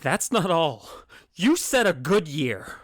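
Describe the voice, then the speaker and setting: A man's voice: a little high, very animated, slow pace, no echo, studio quality, full character voice. A man playing an anxious, guilt-ridden family man in a radio play, speaking hesitantly and earnestly. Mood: resolute, troubled.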